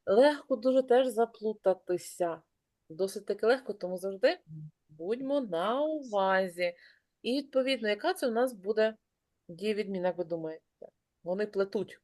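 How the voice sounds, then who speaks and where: A woman teaching an online class, brisk and encouraging, calling on pupils by name. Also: mid-range voice, expressive, a little mellow.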